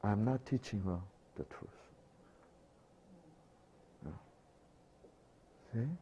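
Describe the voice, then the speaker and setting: Male preacher; slow, very lively pitch, quizzes the congregation. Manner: asks rhetorical questions and answers them; swings between loud emphatic bursts and quiet low asides. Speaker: pastor. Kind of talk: sermon.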